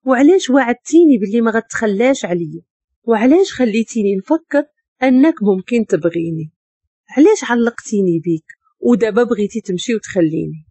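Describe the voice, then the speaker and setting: A woman's voice: fairly high pitch, animated, fairly quick, dark tone, breathy edge, no room sound. Pleading young wife, read by a Moroccan woman. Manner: pleading, tearful.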